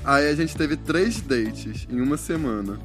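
Lively high-voiced Carioca man. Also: unhurried. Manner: expressive storyteller, acts out his own outbursts. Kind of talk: casual chat. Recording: faint music underneath. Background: faint background music.

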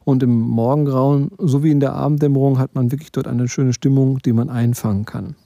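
Guy leaving a voice message tip, really muted dark tone, gravelly, dry sound. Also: mid-range voice, fairly even intonation, fairly quick, dry recording. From Witten, Ruhr area, Germany. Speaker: listener sending a voice message. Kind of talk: prepared spoken recommendation.

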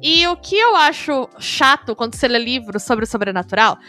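A woman's voice: fairly high pitch, animated, moderate pace, pushed and bright, soft background music. A Brazilian woman hosting a podcast, chatting in an enthusiastic, explanatory way. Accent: Brazilian Portuguese. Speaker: podcast host. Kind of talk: casual podcast chat.

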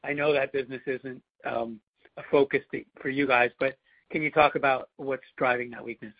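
A man's voice: medium pitch, fairly even intonation, brisk, vocal fry. A man calling in as an analyst, asking a question on an earnings call. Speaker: analyst caller. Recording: dull, lo-fi call audio.

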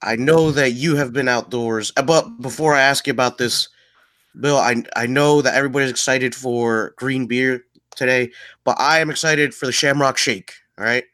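A man's voice: medium pitch, fairly even intonation, normal speed, fairly bright tone. A man from New Jersey, co-hosting a podcast and joking around while congested from a sinus infection. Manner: jokey, keeps addressing the host by name. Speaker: podcast co-host. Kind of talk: casual podcast banter.

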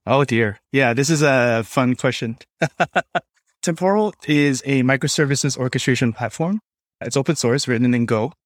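Male podcast guest, conversational tech explainer, mid-pitched, dry close sound. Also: a little slow, no room sound. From Singapore. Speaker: podcast guest, developer experience lead.

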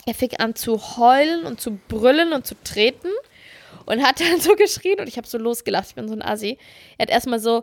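Lively, self-mocking woman telling stories. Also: fairly high pitch, brisk. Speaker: podcast co-host. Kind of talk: casual chat.

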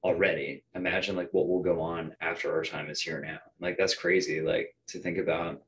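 An American man in his twenties, a musician guest on a podcast, talking in an animated, emphatic way and swearing casually. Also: deep voice, normal speed, slight background noise. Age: 20s.

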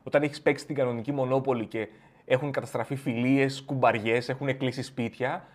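A young adult man hosting a comic monologue, telling a story with plenty of energy and switching into other people's voices. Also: medium pitch. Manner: animated, acts out friends' voices. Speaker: comedian host. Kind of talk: stand-up style comic monologue.

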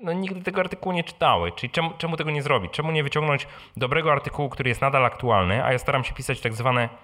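A man's voice: medium pitch, expressive, racing, bright, forceful tone. A man hosting an informal live question session, explaining things conversationally and often adding short tag questions. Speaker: host answering audience questions, blogger. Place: live event with audience and microphones.

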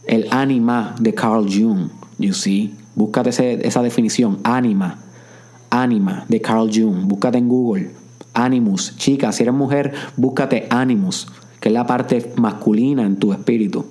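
A man gives a motivational self-help monologue, speaking straight to the listener in a repetitive coaching tone and sprinkling English phrases into his Spanish. His mid-range voice is steady and a little mellow, with a slightly slow pace.

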